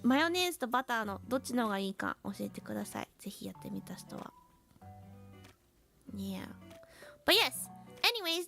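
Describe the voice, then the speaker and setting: A woman live streamer chatting casually and switching between languages. She speaks slow, simple English for learners and reads out viewers' names in an upbeat, giggly way. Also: sits high, a bit bright.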